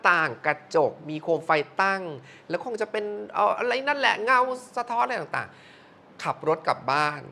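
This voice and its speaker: A middle-aged woman, a film producer or director, tells a haunted film-set story in casual conversation, expressively acting out the quoted voices. Her medium-pitched voice is animated, gravelly, pushed and bright, at a moderate pace.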